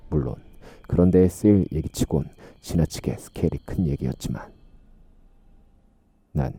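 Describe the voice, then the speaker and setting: A man narrating a horror radio story in a slow, musing, hushed way. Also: sits low, slightly rough, dry recording.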